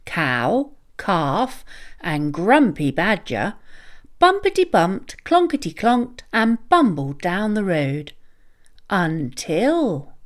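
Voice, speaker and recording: A woman reading a children's story aloud as an expressive, deliberate, sing-song narrator. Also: medium pitch. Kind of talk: animated scripted read-aloud narration for children.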